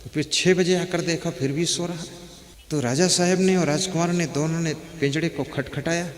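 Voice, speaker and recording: A man giving a sermon, telling a story and rising to forceful exhortation. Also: a little high, steady tone, normal speed. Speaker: spiritual teacher. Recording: long hall reverb.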